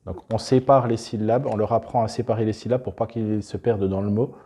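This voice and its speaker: Man, lowish husky voice, deep dark tone, talking through a hands-on classroom demo. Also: fairly even intonation, brisk. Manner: unscripted, restarts, talks while handling materials. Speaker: presenter demonstrating a teaching method. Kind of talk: explanatory demonstration.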